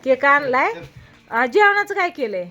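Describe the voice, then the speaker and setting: A woman's voice: high voice, very animated, unhurried, bright, forceful tone, soft background music. A woman vlogger chatting casually with her family at home, teasing and asking one question after another. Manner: teasing, talkative, asks many questions. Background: people talking nearby.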